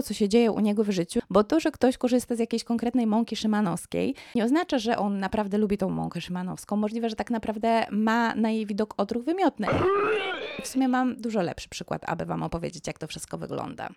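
Hoarse woman vlogging, gravelly voice. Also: on the high side, no echo, clean studio sound. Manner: lively and ironic, stretches words for emphasis. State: hoarse from a cold. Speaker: YouTube vlogger. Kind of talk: casual commentary to camera.

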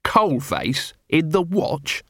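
A man's voice: fairly high pitch, wildly swooping pitch, takes it slowly, vocal fry, fairly bright tone, no room sound, pitched above the performer's own voice, full character voice. A man playing a weary watch captain who speaks in a dry, exasperated way. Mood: dry, puzzled.

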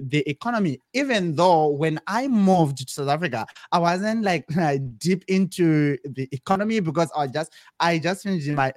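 A man's voice: a little high, no echo. A man in his twenties from Zimbabwe, a guest in an interview, talking casually with many restarts and repeated words. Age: 20s. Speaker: podcast guest, business founder.

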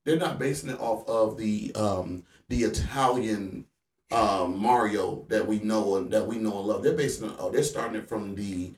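A man's voice: fairly low pitch, normal speed, far from the mic. A man co-hosting a podcast, arguing his point in casual chat and repeating himself to be heard. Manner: insistent, argumentative, repeats points. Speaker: podcast co-host. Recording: roomy sound, off-mic.

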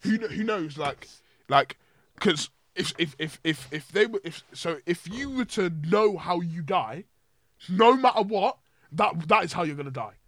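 A young man, chatting loudly on a podcast and often restarting his sentences. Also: high-pitched, lively intonation, unhurried. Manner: loud, projecting voice, stumbling restarts. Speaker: podcast host. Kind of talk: casual chat.

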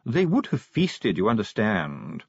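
A man voicing a stiff, formal male dwarf official who speaks in measured, clipped sentences. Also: fairly low pitch, huge pitch swings, husky, no echo, muffled recording, full character voice.

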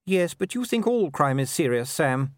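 A genteel aristocratic wife played by a male audiobook reader, pitched well up high. The delivery is chatty and gushing, with lively swoops and a fond, reassuring air. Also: normal speed, dry recording, clean studio sound. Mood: fond, soothing. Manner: chatty, gushing, upper-class turns of phrase. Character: genteel aristocratic middle-aged wife, breezy, fondly reassuring. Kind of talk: audiobook character voice.

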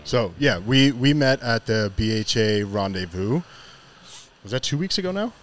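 A man's voice: mid-range voice, animated, moderate pace, soft background music. A man hosting a podcast on location, chatting casually in a rambling, jokey, informal way. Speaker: podcast host. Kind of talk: casual chat. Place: on location at an eatery.

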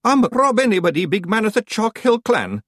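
High-pitched tiny rowdy Scottish warrior. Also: male voice, normal speed, no echo, clean studio sound, exaggerated voice. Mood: nervous, deferential. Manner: broad dialect, excitable. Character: tiny rowdy blue Scottish warrior man, bickering and cowed.

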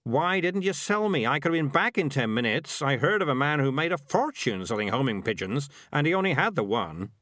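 A man's voice: mid-range voice, big pitch swings, brisk, hardly any pauses, fairly bright tone, no room sound, studio quality, pitched above the performer's own voice. A man voicing a sly, money-minded talking cat who grumbles and cajoles in a storybook reading. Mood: grumbling.

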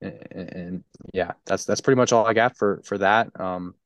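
A congested man co-hosting a sports podcast, talking in a halting way full of restarts and stutters. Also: low-pitched. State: congested, stuffy. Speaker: podcast co-host. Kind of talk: casual sports chat.

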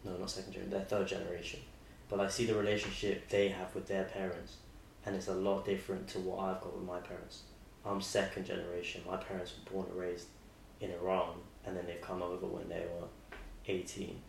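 A young man hosting a podcast, his voice very deep and held to a flat, narrow range. He rambles in a friendly way, restarting his sentences often. The recording has a roomy echo with faint noise behind it. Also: brisk, gravelly. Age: 20s. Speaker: podcast host. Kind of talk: casual interview chat.

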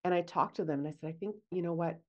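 Low-voiced chatty woman. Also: fairly even intonation, fast talker. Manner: chatty, acts out client dialogue. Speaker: podcast co-host, esthetician. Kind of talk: casual podcast chat.

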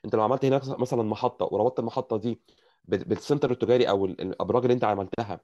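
A man's voice: fairly low pitch, racing, mellow. A man with an Egyptian Arabic accent, a guest engineer explaining at length in an interview, often restarting his words. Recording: muffled lo-fi audio.

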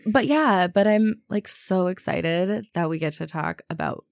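Husky, congested woman co-hosting a casual podcast. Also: fairly low pitch, a little slow, no room sound. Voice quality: husky, stuffy voice. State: congested from allergies. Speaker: podcast co-host. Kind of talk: casual chat between friends.

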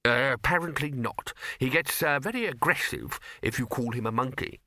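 A man's voice: medium pitch, normal speed, sharp tone, no room sound. A man voicing a nervous, deferential bursar in a comic fantasy storybook, hesitant and stammering with strained politeness. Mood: nervous, careful. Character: nervous, placating, deferential male university bursar at a wizards' college.

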